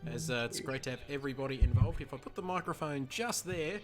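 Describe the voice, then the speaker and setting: A man hosting a live stream, loud and chatty, swearing freely. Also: fast, faint music behind. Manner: loud, swears, booming greetings. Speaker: stream host. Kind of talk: casual live stream banter.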